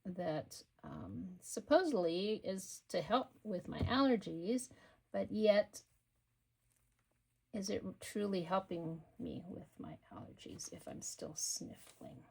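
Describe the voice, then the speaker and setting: Quiet, slow, gravelly-voiced woman crafting. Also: medium pitch, big pitch swings, rough recording. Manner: quiet, murmuring to herself while working. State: sniffly. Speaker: craft channel host. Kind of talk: casual craft-along chat.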